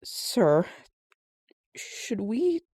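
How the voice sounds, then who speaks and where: A woman's voice: medium pitch, very animated, extremely slow, mellow, husky, dry recording, studio quality, exaggerated voice. A woman playing a timid, polite young attendant, hesitant and deferential, in a fantasy audio drama. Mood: nervous, doubtful.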